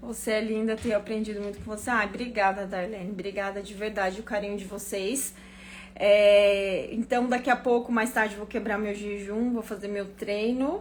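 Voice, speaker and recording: Speaking at a moderate pace, a woman holds a fairly high pitch with monotone, flat intonation. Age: 40s. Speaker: doctor. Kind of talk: casual live chat. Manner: casual.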